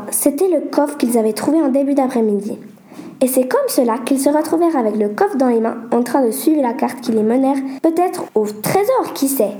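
A woman's voice: sits high, mellow, roomy sound. A woman reading a children's story aloud in a plain, earnest way, with small stumbles. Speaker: reader.

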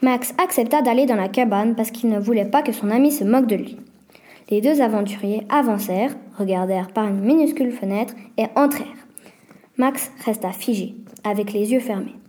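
A woman's voice: on the high side, moderate pace, warm tone. Woman reading a children's story. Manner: plain storytelling. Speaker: narrator.

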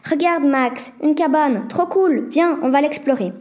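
Bold cheeky schoolgirl, excited and mocking, read by a woman; high, mellow tone. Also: measured pace. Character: bold adventurous schoolgirl, teasing and fearless.

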